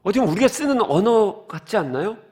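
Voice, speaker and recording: A man's voice: high voice, sing-song, brisk, darkish tone. A man as pastor preaching a sermon, who asks the congregation questions and explains the words of the text.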